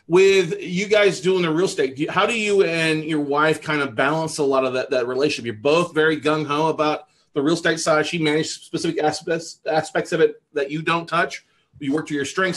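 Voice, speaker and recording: A man's normal speaking voice, fairly high in pitch and fairly quick in pace, with ordinary pitch variation. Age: 40s. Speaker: podcast host, note investor. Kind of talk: interview.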